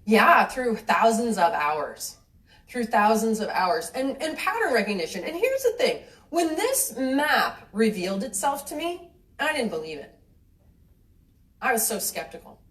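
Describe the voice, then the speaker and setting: A woman giving a live talk to an audience, chatty and animated, acting out little quoted exchanges and laughing lightly as she talks. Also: fairly high pitch, unhurried. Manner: laughs lightly mid-sentence. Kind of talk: live lecture with audience questions. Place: cinema venue with an audience. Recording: roomy hall sound from a distant mic.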